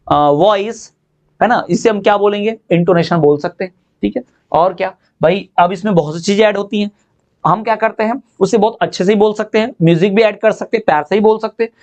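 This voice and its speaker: A man teaching an exam-prep lesson, explaining in Hindi and reading English definitions slowly. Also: sits high, darkish tone.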